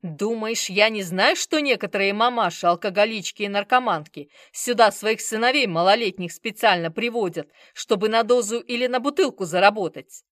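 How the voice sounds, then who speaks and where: A woman's voice: mid-range voice, big pitch swings, moderate pace, fairly bright tone, no room sound, clean studio sound. A woman voicing a menacing male gang boss who barks threats and orders. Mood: yelling.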